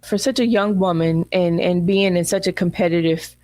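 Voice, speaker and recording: Thoughtful low-voiced woman co-host. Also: fairly even intonation, normal speed, a little mellow, no echo. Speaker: podcast co-host. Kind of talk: casual chat.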